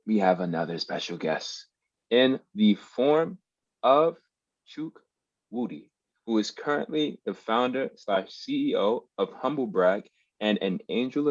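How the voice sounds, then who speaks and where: A man hosting a podcast, reading out a guest introduction in a measured, formal way. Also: darkish tone, dry recording. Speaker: podcast host. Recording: dull, dry, low-fidelity.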